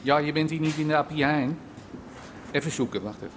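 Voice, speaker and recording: An actor playing a dry, sardonic black-market dealer, casual and deadpan in a naturalistic radio drama. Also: male voice, on the high side, fairly quick, noisy background, lightly acted. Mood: dry, matter-of-fact.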